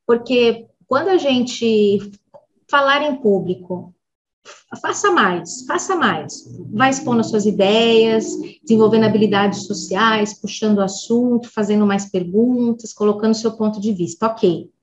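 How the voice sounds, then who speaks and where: A woman with a Brazilian Portuguese accent, giving instructive advice on public speaking as a communication coach, deliberately shifting her pitch and pace for emphasis. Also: highs cut off, slight background noise. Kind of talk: instructive podcast talk.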